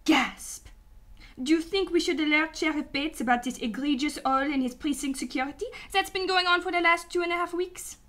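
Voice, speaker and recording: High-voiced, sarcastic scheming woman, played by an actress. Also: fairly quick, bright, forceful tone. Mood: sly, teasing. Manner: sarcastic, teasing. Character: cheeky, scheming woman, detective's teasing assistant. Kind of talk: sci-fi radio drama acting.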